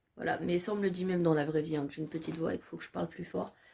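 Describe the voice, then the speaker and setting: With a dark, mellow tone and fairly low pitch, a woman speaks in lively intonation. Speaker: vlogger. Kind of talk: casual vlog. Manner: trying to speak louder.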